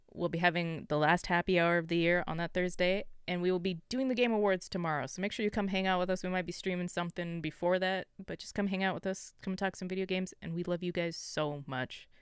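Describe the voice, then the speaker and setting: A woman's voice: lowish voice, clear, resonant tone, no echo, studio quality. A woman from Canada co-hosting a gaming podcast in casual, chatty talk. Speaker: podcast co-host.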